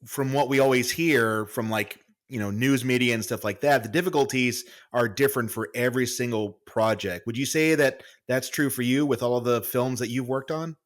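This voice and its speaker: A man hosting a podcast, asking his guest questions in a calm, friendly way. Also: medium pitch, normal speed, hardly any pauses. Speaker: podcast host. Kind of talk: casual interview questions.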